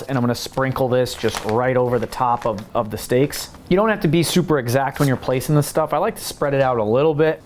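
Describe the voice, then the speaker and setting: A man's voice: medium pitch, darkish tone, a little hiss or hum. A man hosting a home cooking tutorial, chatting casually and explaining each step as he works in his kitchen. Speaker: home cooking channel host.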